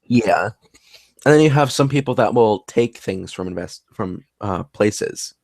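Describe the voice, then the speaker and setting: A man with a low, gravelly voice chats about his work as a paranormal investigator. He talks in an earnest, rambling way, and the sound is close and dry with no room echo. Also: lively intonation, unhurried, darkish tone. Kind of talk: casual conversation.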